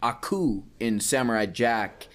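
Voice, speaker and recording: A young man co-hosting a casual podcast chat over a voice call, animated and quick to laugh, often restarting his sentences. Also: medium pitch. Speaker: podcast co-host. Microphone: home mic on a voice-chat call.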